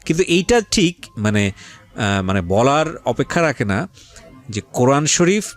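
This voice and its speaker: A man's voice: mid-range voice, sing-song, measured pace. A man hosting a radio interview, asking probing questions and sharing reflective asides. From Bangladesh.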